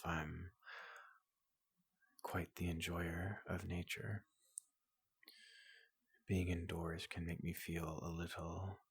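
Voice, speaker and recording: A man playing a big, gentle robot doctor in a soothing ASMR roleplay, speaking in a hushed, breathy half-whisper with a polite, reassuring manner. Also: sits low, no echo, heavily acted. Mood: soft, confiding. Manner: slow, gentle, reassuring, repeats questions softly.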